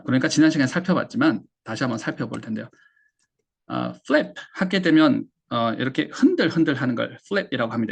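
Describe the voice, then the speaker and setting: A man's voice: mid-range voice, gravelly, slightly rough. A man teaching English pronunciation in Korean, explaining step by step, answering his own questions, and repeating English words aloud to demonstrate. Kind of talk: online English pronunciation lesson.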